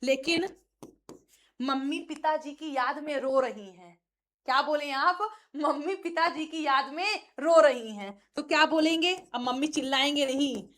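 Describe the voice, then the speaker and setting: Woman, English teacher, high voice, lively questions to viewers. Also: measured pace. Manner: explains with dramatic examples, asks the viewers questions. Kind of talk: spoken-English lesson in Hindi.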